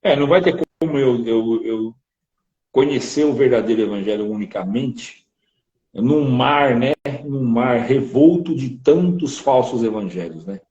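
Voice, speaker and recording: A man, an interviewed preacher sharing his testimony in lively storytelling, acting out other voices with emphasis. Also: medium pitch, measured pace, lo-fi sound.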